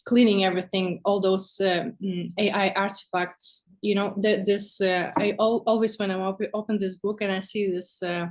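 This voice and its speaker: A woman's voice: mid-range voice, flat delivery, moderate pace, few pauses. A woman who is not a native English speaker, chatting casually as an interview guest about her work as a visual artist, often searching for words.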